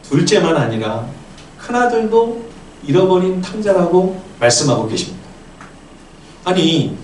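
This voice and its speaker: Male pastor mid-sermon, high-pitched, swings from quiet to shouted quotes, roomy hall sound. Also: recorded from a distance, slight background noise. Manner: animated, acts out angry quotes with sudden loud outbursts. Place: church sanctuary.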